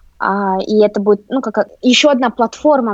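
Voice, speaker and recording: A woman speaks in an ordinary speaking voice at a moderate pace, with a dry, close sound with no echo. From Kazakhstan, Almaty. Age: 20s. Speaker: artist and photographer. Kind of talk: interview.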